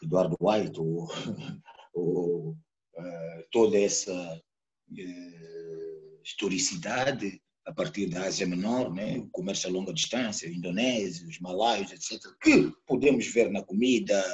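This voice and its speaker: A Mozambican guest speaker, a poet and sociologist with a Mozambican Portuguese accent, muses through a reflective lecture-style talk from home, live online via a computer or phone mic on a video call. He searches for words and repeats them while thinking, at a measured pace in a deep voice. The highs in the audio are cut off.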